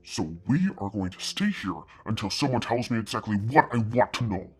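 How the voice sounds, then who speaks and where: A man reading a story aloud and voicing a smug, cruel male devil who mocks and threatens in a husky, sneering drawl. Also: mid-range voice, animated, normal speed, soft background music. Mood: menacing. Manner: mocking drawl that turns to quiet threats.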